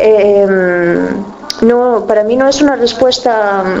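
A woman speaks with a fairly high pitch and ordinary pitch variation. Background noise is noticeable. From Spain. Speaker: French language learner. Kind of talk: tutorial. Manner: halting.

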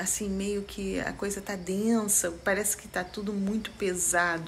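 The woman's delivery is fairly unhurried. Her pitch doesn't move much. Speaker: spiritual vlogger. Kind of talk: casual vlog chat. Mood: calm, reflective, warning. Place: empty room. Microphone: phone near.

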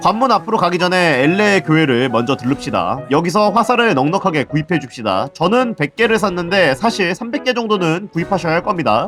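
With music in the background, a man speaks at a high pitch and a fairly quick pace, with hardly any pauses. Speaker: game guide YouTuber. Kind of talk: game tutorial narration.

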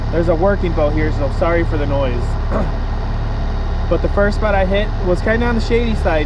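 A man at a fairly quick pace, dry sound with no echo, and loud background noise. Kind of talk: casual vlog chat. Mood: upbeat, relaxed. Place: boat. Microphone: phone near.

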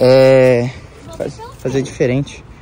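A man's voice with a dry sound, no echo, and light background noise. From Brazil. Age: 20s. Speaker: vlogger. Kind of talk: casual vlog narration. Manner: animated. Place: street. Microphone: phone near.

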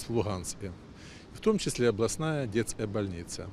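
Over light background noise, a man speaks at a fairly quick pace with lively intonation and a dry sound with no echo. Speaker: hospital doctor or health official. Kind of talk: interview. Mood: serious, official. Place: street. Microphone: handheld.

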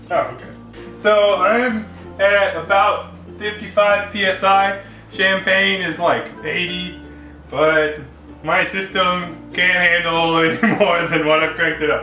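Through audible room echo and faint music in the background, a man speaks very slowly at a high pitch with fairly even intonation. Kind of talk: casual tutorial. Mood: playful, amused. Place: kitchen. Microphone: camera far.

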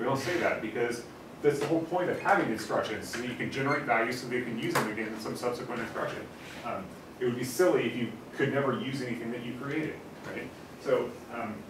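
A man talks at a very fast pace with ordinary pitch variation, amid noticeable background noise and audible room echo. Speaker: lecturer. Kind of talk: lecture. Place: classroom. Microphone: camera far.

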